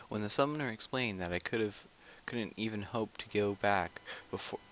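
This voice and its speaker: A man's voice: fairly low pitch, unhurried, a little hiss or hum, low-quality recording. A man reading a visual novel aloud as he plays, stumbling and rereading lines between casual asides. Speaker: video game player. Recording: loud music over the voice. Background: loud game music.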